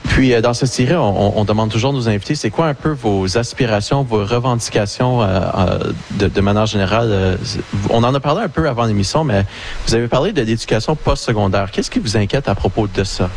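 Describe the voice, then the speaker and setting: Low-ish guy, radio reporter live in the field, stumbles over his questions, faint noise behind. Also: fairly quick.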